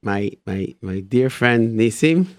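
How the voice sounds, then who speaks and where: A man's voice: lowish voice, expressive, slow, no echo, studio quality. A man hosting a radio show, telling personal religious stories informally and emphatically, repeating phrases and sprinkling in Hebrew and Yiddish expressions.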